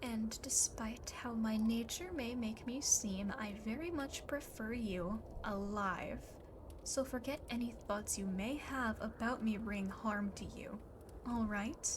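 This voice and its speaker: A woman's voice: on the high side, unhurried, background noise, natural voice. A woman voicing a lonely, possessive demon girl in an ASMR roleplay, often dropping into a whisper, coaxing and condescending as she speaks to the listener. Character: lonely possessive demon girl, coolly teasing, faintly menacing.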